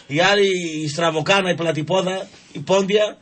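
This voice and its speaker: Animated storytelling man, fairly high voice. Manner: animated, acts out voices in anecdotes. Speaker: radio show guest storyteller. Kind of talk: casual comic storytelling. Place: radio studio.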